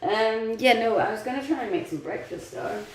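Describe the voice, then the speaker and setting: A woman's voice: on the high side, expressive, moderate pace, roomy sound, slight background noise. A woman from Denmark casually chatting through a morning livestream, often laughing to herself, a little stuffy-nosed. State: blocked nose from blowing it a lot. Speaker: livestreamer reading chat. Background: faint music.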